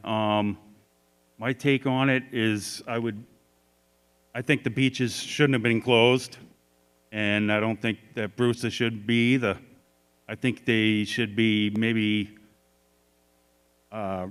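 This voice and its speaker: A man answering informally as a local candidate, plain-spoken and halting, recorded in a reverberant hall. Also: mid-range voice, clean tone. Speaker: candidate for town selectman. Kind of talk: informal off-the-cuff answer at a forum. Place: arts center hall.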